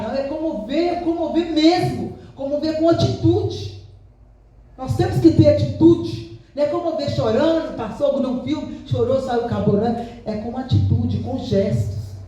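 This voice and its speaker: A woman's voice: high voice, dark tone. A middle-aged woman with a Brazilian Portuguese accent, a missionary preaching an earnest, emotional sermon, often repeating herself and asking the congregation to agree. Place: church sanctuary. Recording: very echoey church from a distance.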